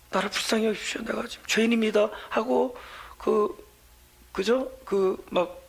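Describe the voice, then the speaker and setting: Pastor, sermon, gravelly and rough, lively rising and falling pitch, drops into near-whispers. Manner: preaches with sudden swings between loud emphasis and soft near-whispers; asks the congregation questions and answers them.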